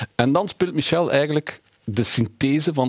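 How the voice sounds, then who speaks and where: With lively intonation, a man speaks at a fairly slow pace in a dry, close sound with no echo. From Flanders, Belgium. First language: Dutch (speaking French). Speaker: podcast host. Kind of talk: interview. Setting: streaming studio.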